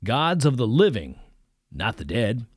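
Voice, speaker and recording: A man voicing a blunt, gruff older male preacher with a folksy, commanding way of talking. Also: medium pitch, big pitch swings, unhurried, no room sound, studio quality.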